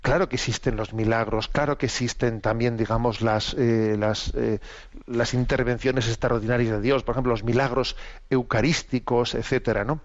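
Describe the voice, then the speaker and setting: A man hosting a religious commentary program, explaining in a measured, teacherly way with rhetorical questions and frequent tag questions. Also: medium pitch, fairly even intonation, muffled recording.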